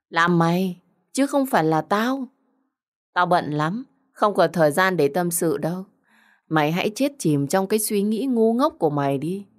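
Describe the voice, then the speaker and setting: A woman's voice: on the low side, close to an everyday voice. A woman voicing a cruel, treacherous young woman in an audio story, with a mocking, condescending and sarcastic manner.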